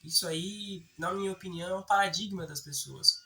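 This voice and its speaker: This English-teaching YouTuber speaks with a Brazilian Portuguese accent, his voice sitting high and moving fairly quickly, with background noise in the recording. He keeps his explanation casual and frequently checks that the viewer is following.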